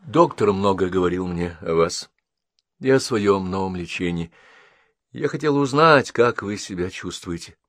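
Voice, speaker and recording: A man voicing a gentle, grieving young woman in an audiobook, speaking earnestly and pleadingly. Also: deep voice, lively intonation, moderate pace, no echo, clean studio sound. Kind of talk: audiobook character voice.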